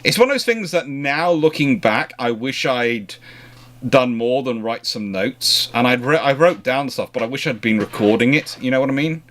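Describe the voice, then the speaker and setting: A man hosting an informal history question-and-answer chat, talking in a discursive, halting way and often rephrasing mid-sentence. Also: mid-range voice, animated, fairly bright tone. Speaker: naval history livestream host answering questions.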